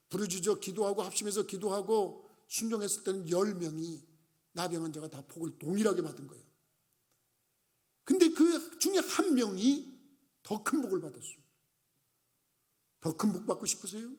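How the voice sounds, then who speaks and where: An older man, a senior pastor, preaching a sermon with animated storytelling and acted-out shouts. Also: sits high.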